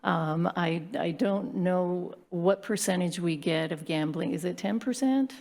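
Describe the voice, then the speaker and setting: Hoarse low-voiced woman presenting a budget. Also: unhurried, darkish tone. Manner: explanatory, plain-spoken with frequent fillers. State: hoarse from bronchitis. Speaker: city finance staff presenting budget. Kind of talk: budget presentation at council meeting. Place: city council chamber.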